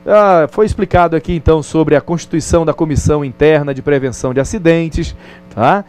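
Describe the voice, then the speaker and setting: A man's voice: fairly high pitch, a little fast, darkish tone, clean tone, faint music behind. A man with a Brazilian Portuguese accent teaching a recorded distance-learning lesson in a conversational way, often checking in with the viewer.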